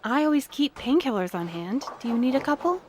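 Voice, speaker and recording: A woman's voice: high voice, sing-song, fairly quick, a little hiss or hum. A woman playing a curious, eager and helpful young researcher in an audio drama, inquisitive and polite. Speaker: actor in a fiction podcast.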